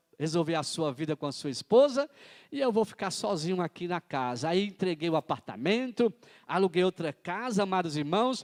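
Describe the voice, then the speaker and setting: A man with a high voice speaks at a moderate pace with lively intonation. The very clean recording has a silent background and a dry, close sound with no echo. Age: 60s. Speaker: pastor. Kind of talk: sermon.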